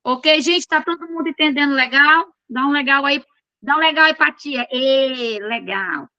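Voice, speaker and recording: A woman's voice: high-pitched, fairly even intonation, normal speed, pushed and bright, no room sound, lo-fi sound. A woman teaching an online class. She reads from course notes and keeps checking in with her students in a chatty, informal way.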